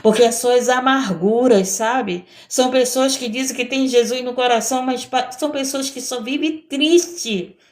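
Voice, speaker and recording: A woman's voice: on the high side, unhurried, a little mellow. A woman missionary preaching a sermon, emphatic and repetitive, often breaking in with praise.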